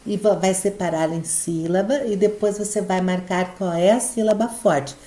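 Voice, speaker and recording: A woman teacher with a Brazilian Portuguese accent walks students through a recorded lesson, step by step. Her voice is mellow and relaxed, at a middle pitch. She keeps checking that everyone is following along. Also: normal speed. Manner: patient, explaining step by step with frequent "tá?" checks. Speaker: Spanish teacher.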